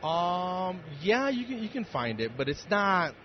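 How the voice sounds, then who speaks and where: A man's voice: high voice, big pitch swings, unhurried, crowd noise. A man in his forties from the United States, a comedian being interviewed, chatting casually with joking, self-deprecating banter. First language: Spanish. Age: 40s. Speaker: interview guest, comedian and speaker. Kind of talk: casual chat. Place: on location at a busy convention. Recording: dull lo-fi, loud event background noise.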